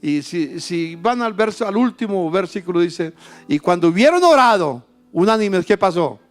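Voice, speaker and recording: A man preaching a sermon with passion, moving between quiet, low passages and loud, emphatic bursts. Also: lively intonation, moderate pace. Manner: impassioned preaching, swinging from soft to loud. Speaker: pastor.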